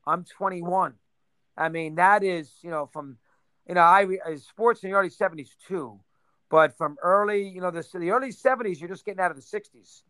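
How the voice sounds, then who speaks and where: A man in his sixties, reminiscing in a casual interview, rambling and rattling off names in quick bursts. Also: high-pitched, pushed and bright, no room sound. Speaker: interview guest.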